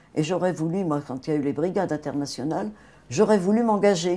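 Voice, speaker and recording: This woman's very deep, low voice carries a dark, mellow tone and lively intonation. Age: 80s+. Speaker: former mayor and resistance veteran. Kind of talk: testimony. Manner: halting.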